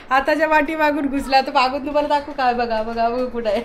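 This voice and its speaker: A woman's voice: sits high, steady tone, fast, slight background noise. A woman chatting casually in a home vlog, coaxing her dog and calling to people nearby. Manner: coaxing, calls out to pets and kids. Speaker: vlogger.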